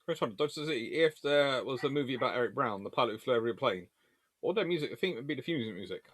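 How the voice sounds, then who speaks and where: A man's voice: medium pitch, animated, very fast, fairly bright tone, dry recording, studio quality. A man hosting a casual question-and-answer session, rambling and hesitant as he thinks aloud. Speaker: host answering viewer questions.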